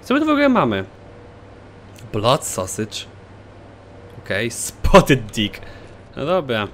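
A man giving excitable let's play commentary, swearing often as he plays. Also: mid-range voice, takes it slowly, slight background noise. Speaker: gaming commentator.

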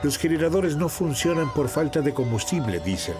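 A man giving measured, scripted documentary narration. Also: a little high, sing-song. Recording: voice-over with music underneath.

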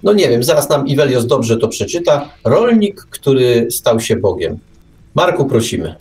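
A man's voice: mid-range voice, very animated, normal speed, darkish tone, faint music behind. A man hosting a radio show in casual chat, heard a little distant from the microphone.

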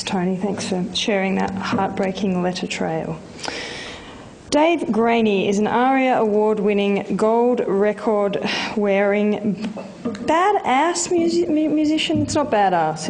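Woman, medium pitch, event host, scripted introduction, playful ad-libs, light noise and clicks. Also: a little slow. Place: on stage at a live event.

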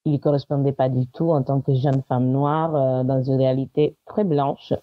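A woman's voice: very deep voice, fairly even intonation, normal speed, dry recording, muffled recording. A woman in her thirties, a guest in an interview, talking casually with frequent small laughs and hesitations. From Italy. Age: 30s. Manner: warm, laughs often, many hesitations.

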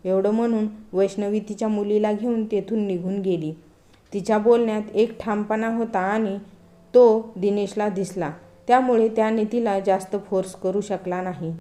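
Mellow-voiced woman telling a moral story. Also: mid-range voice, normal speed. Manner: steady, earnest storytelling.

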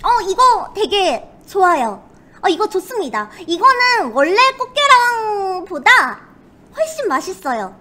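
Woman mukbang host, very high bright cutesy voice, crunches chips while giving casual verdicts. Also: big pitch swings, a little slow. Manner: crunching chips between remarks, talking while eating. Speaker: host, snack reviewer.

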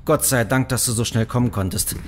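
An actor playing an eager, friendly younger brother in an audio drama, a little hesitant and apologetic. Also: male voice, mid-range voice, a little fast, slight background noise, natural voice.

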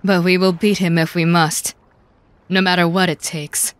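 A woman's voice: on the low side, flat delivery, moderate pace, no room sound, natural voice. A woman voicing a stern, blunt, determined young female fighter in a fan dub of an anime game. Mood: resolute.

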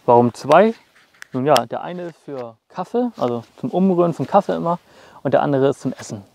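A man's voice: on the high side, expressive, brisk, vocal fry, darkish tone, slight background noise. A young man casually showing his outdoor gear, talking straight to viewers with plenty of fillers, recorded in snowy woods on a clip-on mic. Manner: chatty, lots of fillers, addresses viewers directly.

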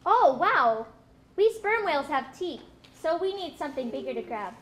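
A woman's voice: high voice, moderate pace. A woman voicing a curious, hungry young sperm whale in a live puppet show. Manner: wide-eyed, chatty and excitable.

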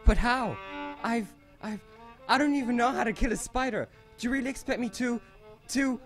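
A man's voice: very high-pitched, normal speed, fairly bright tone. A timid, helpless priest, acted by a man. He stammers and pleads anxiously in a radio-play manner, with faint music behind him. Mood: anxious pleading. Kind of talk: audio drama acting.

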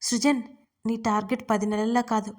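A woman voicing a lively, playful young wife who talks in an excited, bubbly way. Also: on the high side, normal speed, close to an everyday voice. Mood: excited, affectionate.

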